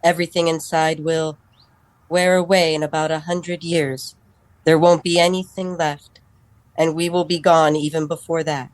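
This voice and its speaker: An actress voicing a calm, literal-minded female android who served as a household steward, speaking in a measured, matter-of-fact way. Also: low voice, dry recording, natural voice, low-quality recording. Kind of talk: radio drama acting.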